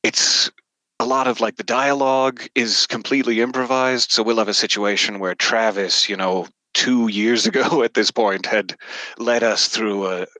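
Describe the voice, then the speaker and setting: A man's voice: fairly low pitch, steady tone, moderate pace, bright, forceful tone, no room sound, low-quality recording. A man giving a casual interview as a voice actor guest, joking and self-deprecating as he talks.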